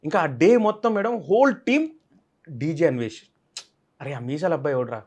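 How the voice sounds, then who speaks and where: A man's voice: fairly high pitch, lively intonation, normal speed, a little mellow. A man, an actor being interviewed, telling a film-set story animatedly and acting out other people's lines. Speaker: actor guest.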